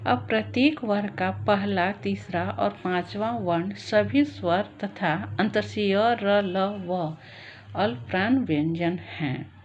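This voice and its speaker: A woman's voice: mid-range voice, a little mellow. A woman teaching a grammar lesson, explaining step by step and listing letters one by one. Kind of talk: slow Hindi grammar lesson. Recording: slightly dull audio with faint noise.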